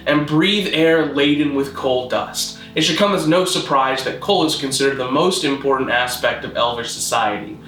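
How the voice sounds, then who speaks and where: Male explainer narrator, bright tone, dry didactic scripted delivery, some room echo, light music bed. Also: fairly high pitch. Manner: deadpan, didactic. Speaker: host, video essayist on constructed languages. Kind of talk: scripted narration, mock-academic lecture.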